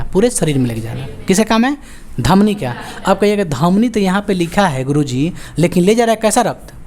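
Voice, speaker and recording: A woman teacher with a Bihari Hindi accent, lecturing a class and firing quick call-and-response questions, joking and scolding as she goes. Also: medium pitch, a little mellow. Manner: quizzing students with rapid call-and-response questions.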